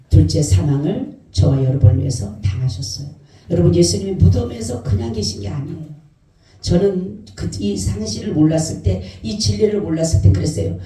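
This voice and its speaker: Pastor, Easter sermon, very mellow tone, distant echoey hall. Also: mid-range voice. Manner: animated, asks the congregation questions. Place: church sanctuary. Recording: very echoey church hall, mic far off.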